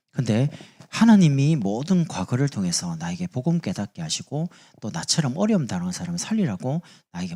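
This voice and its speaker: A man's voice: lowish voice, mellow, breathy edge. A male pastor with a Gyeongsang accent preaching a sermon, emphatic and full of rhetorical questions.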